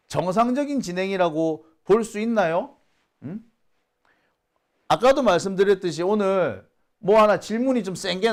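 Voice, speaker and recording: A middle-aged man giving casual, indignant political commentary. He acts out the people he quotes and fires off rhetorical questions. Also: high voice. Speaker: journalist host of a political channel.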